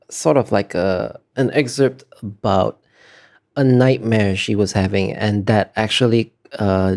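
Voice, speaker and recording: A man's voice: on the low side, vocal fry, darkish tone. A man being interviewed as an artist, talking casually and thoughtfully, often hesitating as he searches for words. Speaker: interview guest, concept artist.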